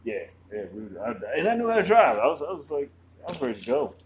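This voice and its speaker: A man's voice: mid-range voice, sing-song, fast. Host, man from Philly, teasing, stammers repeats, faint noise. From Philadelphia. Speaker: podcast host. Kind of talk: casual chat.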